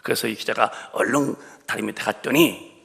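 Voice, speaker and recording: A man's voice: fairly low pitch, a little fast, vocal fry, fairly bright tone. A male pastor preaching a sermon in a church, telling an emotional story and breaking it up with rhetorical questions. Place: church sanctuary.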